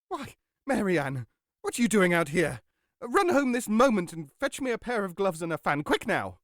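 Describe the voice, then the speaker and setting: A man's voice: high-pitched, very animated, normal speed, no echo, studio quality. An actor playing a fussy, anxious male White Rabbit in a full-cast audiobook, fretting and barking orders. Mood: bossy. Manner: fretful, muttering, bossy.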